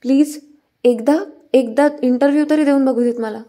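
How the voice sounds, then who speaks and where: A woman's voice: sits high, fairly even intonation, normal speed, warm tone, close to an everyday voice. A woman reading a pleading young nurse applicant. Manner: apologetic, pleading.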